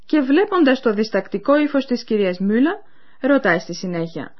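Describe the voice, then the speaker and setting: A woman presenting a radio language course, explaining clearly and speaking to listeners in scripted educational narration. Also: on the high side, lively intonation. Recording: dull lo-fi radio recording.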